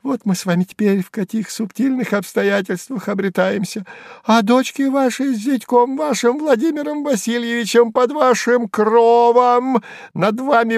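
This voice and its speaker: A man voicing a shrill, mocking old hanger-on who chatters and cackles in a squeaky, sing-song voice. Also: creaky, no echo, clean studio sound. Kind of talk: audiobook character voice.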